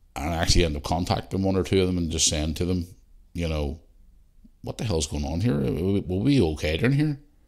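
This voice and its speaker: At a fairly quick pace, a man with a Belfast accent speaks in a very deep, low pitch. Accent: Belfast Northern Irish. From Northern Ireland, Belfast. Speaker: podcast host. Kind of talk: casual solo monologue.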